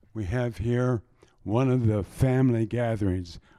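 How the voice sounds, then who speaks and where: Of medium pitch, a man speaks with fairly even intonation. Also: very clean recording, silent background. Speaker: missionary. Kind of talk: presentation. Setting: stage with audience. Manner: slow.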